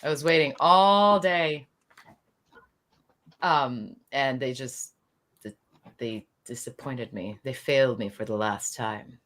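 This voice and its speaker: Low-voiced woman. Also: slow pace, long pauses, a bit bright. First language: Slovenian. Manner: chatty and self-deprecating, with fillers and restarts. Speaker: voice actor on a fan Q&A panel. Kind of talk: casual panel chat.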